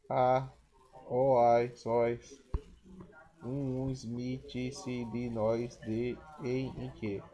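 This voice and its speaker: Guy reading out a grammar lesson, slow and flat, pretty mellow low-key voice, fixes his slips as he goes. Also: rough recording. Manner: slow, careful reading of word lists with self-corrections. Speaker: teacher.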